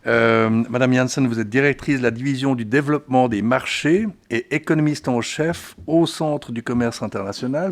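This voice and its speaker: A man moderating a public panel debate, introducing the next speaker in a polite, formal and slightly halting way. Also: mid-range voice.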